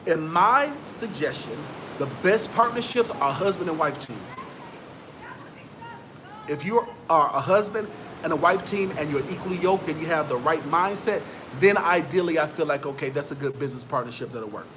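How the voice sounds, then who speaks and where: A man's voice: fairly high pitch, expressive, normal speed, noisy background. A man, giving motivational business advice straight to his viewers in a preachy, repetitive way. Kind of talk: motivational talk to camera.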